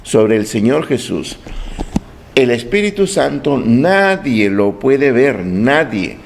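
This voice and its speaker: Slow, gravelly male preacher. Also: mid-range voice. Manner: didactic, quizzing the congregation with rhetorical questions; slow, deliberate emphasis on words. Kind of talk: sermon.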